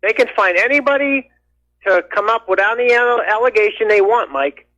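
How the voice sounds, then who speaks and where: A man's voice: sits high, animated, fairly quick, pushed and bright, dry recording. A man calling in over the phone to a talk radio show, talking in an indignant, rambling way full of restarts. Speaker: caller. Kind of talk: call-in radio chat. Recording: muffled phone line.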